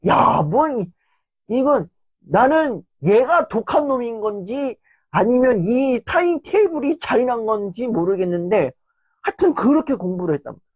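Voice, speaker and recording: Young male lecturer, husky tone, lively pitch, dry close sound, storyteller who leans on fillers. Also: dry recording. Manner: animated anecdotal telling with constant fillers. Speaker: motivational lecturer.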